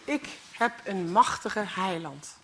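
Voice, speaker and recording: A woman reading a Christian story aloud with slow, dramatic narration. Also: medium pitch, animated, a bit bright, slight background noise. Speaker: story reader.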